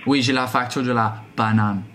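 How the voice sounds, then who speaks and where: A young man with a Quebec French accent, talking casually and haltingly as a prank caller. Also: mid-range voice, fairly even intonation, heavy background noise. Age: young adult. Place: small room indoors.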